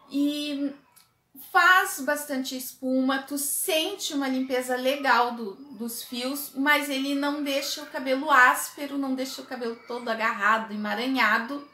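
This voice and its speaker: A woman's voice: sits high, measured pace. A woman, chatting animatedly to camera as a beauty vlogger reviewing a product. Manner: chatty and animated, gestures a lot while talking. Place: small indoor room with makeup table. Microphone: camera at desk distance. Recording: echoey small room.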